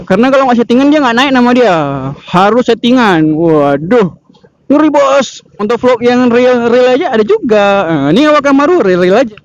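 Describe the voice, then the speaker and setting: A man's voice: extremely high pitch, animated, moderate pace. A young man, joking and rambling playfully while riding a motorcycle outdoors. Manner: joking, playful, self-mocking. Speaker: motovlogger. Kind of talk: rambling comic motovlog chat. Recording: muffled helmet mic with wind noise.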